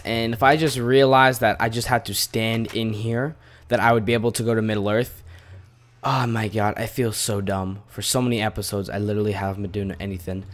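A man's voice: lowish voice, fairly bright tone. A man giving casual let's-play commentary, rambling and poking fun at himself as he plays. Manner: rambling, self-mocking, casual. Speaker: gaming video host.

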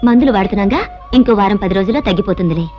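A woman playing a calm, wise adviser. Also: medium pitch, rapid-fire, lightly acted. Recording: dull film soundtrack with music.

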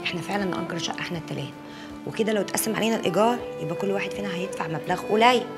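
An actress playing a streetwise, bossy friend with an Egyptian accent. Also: female voice, mid-range voice, music in the background, lightly acted. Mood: brisk. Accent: Egyptian Arabic. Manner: brisk, bossy. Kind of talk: TV drama acting.

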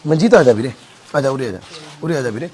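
A man volunteering with a social service group, talking gently and coaxing, with soothing phrases he says again and again. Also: mid-range voice, lively intonation, fast. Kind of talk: on-location coaxing talk.

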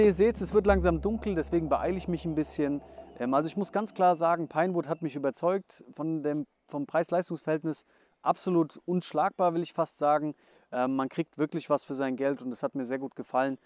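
A young man giving a casual outdoor gear review, chatty and hurried, with many hesitation fillers. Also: fairly high pitch, a little mellow, dry recording. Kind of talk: casual product review, voice-over then to camera. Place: outdoors at dusk.

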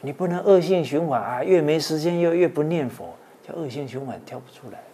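A man's voice: on the high side, mellow, a little hiss or hum. Earnest man giving a dharma talk. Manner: frequent drawn-out "ah" and "oh" fillers, earnest exhorting. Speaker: Buddhist monk lecturer.

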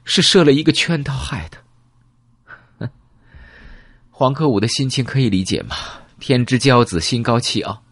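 A man's voice: mid-range voice, animated, a little slow, pauses often, dry recording. A man narrating a novel as an audiobook in a dramatic storytelling manner, dropping to a whisper for grim details.

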